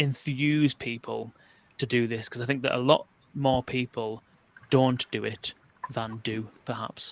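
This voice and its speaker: This man speaks with a northern English accent. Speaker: podcast host. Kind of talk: casual interview chat.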